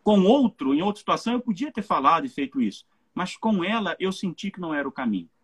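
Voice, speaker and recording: Husky Brazilian pastor, earnest. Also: male voice, sits high, big pitch swings, fast. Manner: earnest, keeps checking in with "né?" and "entende?". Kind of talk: live church talk.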